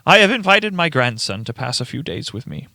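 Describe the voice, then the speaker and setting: A man playing a frantic, paranoid old grandfather reading his diary aloud in a theatrical, halting horror radio-play style. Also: mid-range voice, sing-song, vocal fry, sharp tone, no room sound, clean studio sound, heavily acted. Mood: agitated. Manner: theatrical, halting, emphatic delivery.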